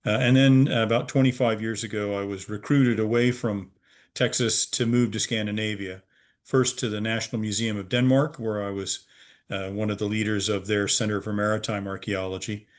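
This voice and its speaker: Middle-aged american guy from virginia on a video call, lowish voice, explains history slow and careful with lots of uhs. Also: fairly even intonation. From Virginia, USA. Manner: measured, with frequent "uh" pauses. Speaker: museum head of research, guest.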